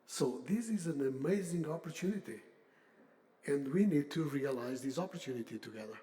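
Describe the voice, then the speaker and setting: An older man, a chief executive, giving a semi-formal unscripted conference speech with halting, deliberate phrasing. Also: fairly high pitch, expressive, dark tone. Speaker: industry association CEO, panel speaker.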